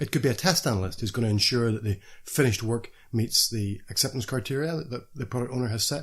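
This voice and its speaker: The speech comes at a very fast pace, somewhat breathy, with lively intonation. The recording is very clean, with a silent background. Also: man. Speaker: podcast host and consultant. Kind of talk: conference presentation. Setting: live conference session.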